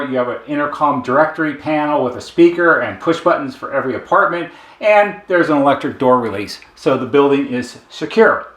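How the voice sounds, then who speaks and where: A man with a voice a little higher than most talks through an explanation casually. He is plain-spoken and conversational, going step by step like a working technician presenting. The sound is strongly echoey and roomy. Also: a bit bright. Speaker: intercom service technician and presenter. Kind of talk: casual explainer talk with a diagram.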